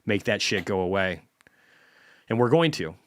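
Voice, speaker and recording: A man's voice: lowish voice, animated, normal speed. A man hosting a market commentary stream, ranting bluntly and swearing heavily.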